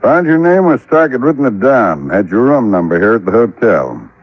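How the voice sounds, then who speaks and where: An actor playing a folksy, probing small-town police chief in 1950s radio drama style. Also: male voice, mid-range voice, very animated, moderate pace, dry recording. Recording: dull, dry, lo-fi old radio recording.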